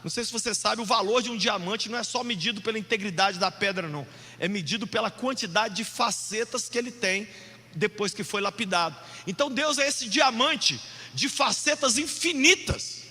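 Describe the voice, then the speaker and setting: A male pastor preaching an animated, jokey sermon, shouting out points for emphasis in a church hall. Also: sits high, moderate pace, slightly rough. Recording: long hall reverb.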